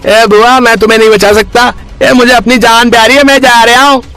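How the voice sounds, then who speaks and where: An actor playing a greedy, cowardly young nephew in a cartoon story, talking in a brash, pushy way. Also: male voice, very high voice, flat delivery, a little fast, sharp tone, heavily acted. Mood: panicked.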